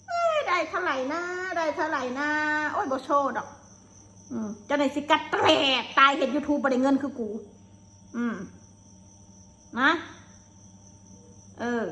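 Broadcasting by herself, a woman from Laos hurls insults and curses in an angry rant, her Lao accent clear. The voice is high, bright and forceful.

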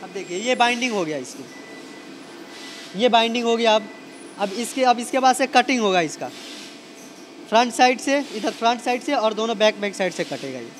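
A man's voice: high voice, expressive, moderate pace, pauses often, a little hiss or hum. A young man guiding a reporter through a printing factory, explaining each step plainly with restarts and fillers, on a handheld mic. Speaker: factory guide at a printing press. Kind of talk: explaining a production process on a walkthrough. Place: large indoor factory floor with running machines. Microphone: handheld mic held by the interviewer.

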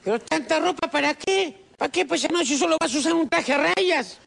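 A man's voice: extremely high pitch, animated, brisk, creaky, noisy background. A man making a comic prank phone call, wheedling and scheming, calling everyone brother. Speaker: prank caller.

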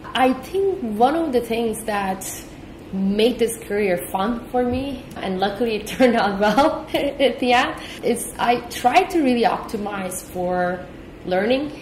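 A woman's voice: fairly high pitch, expressive, slow, a little mellow, roomy sound, slight background noise, rough recording. A woman from Turkey, a company executive, answering interview questions thoughtfully and sometimes repeating words as she thinks. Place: office meeting room.

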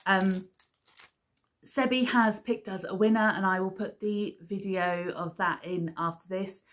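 A woman's voice: mid-range voice, steady tone, measured pace, a bit bright. A woman in her thirties chatting casually to camera as a crafting vlogger, rambling with lots of ums and restarts, recorded on a camera at table distance in her living room. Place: living room at home, seated on a sofa.

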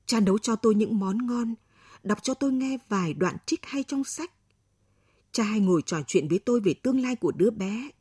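A woman reading a short story aloud in a soft, measured way. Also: fairly high pitch, expressive, husky, no room sound, clean studio sound. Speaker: story narrator. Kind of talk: scripted narration of an emotional short story.

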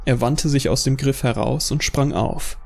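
A man's voice: medium pitch, normal speed, vocal fry, faint music behind. A man narrating a scripted horror audio drama.

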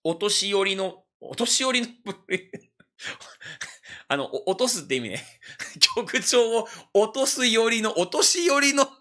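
A man hosting casual anime reaction commentary, animated and self-mocking, laughing often between phrases. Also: high-pitched, a little slow. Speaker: anime reaction channel host.

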